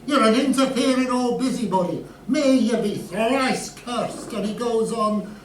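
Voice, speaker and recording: A man playing an excitable, rambling comic Aladdin with a Scottish accent in a sketch. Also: very high-pitched, a little slow. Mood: indignant. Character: rambling excitable Aladdin, a pantomime storyteller with faux French airs. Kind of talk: comic radio-sketch banter. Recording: roomy, distant mic, faint noise.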